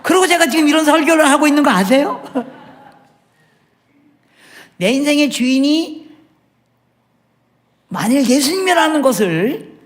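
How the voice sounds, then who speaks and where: High-voiced man preaching a sermon. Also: sing-song, a little slow, pauses often. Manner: asks the congregation questions, shifts between loud and hushed speech. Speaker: missionary preacher. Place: church sanctuary.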